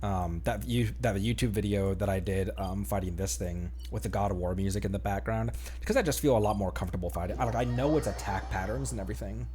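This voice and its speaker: A man streaming a game, chatting casually in a rambling, halting way that often interrupts itself. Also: fairly low pitch, dark tone. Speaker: game livestreamer. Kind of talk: casual gaming chat. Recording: music playing behind the voice.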